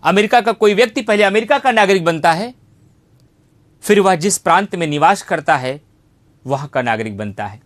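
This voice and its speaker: Lively intonation and a high-sitting voice mark this man as he coaches students online in civics for their exams. At normal speed, he drives points home by repeating phrases and asking rhetorical questions.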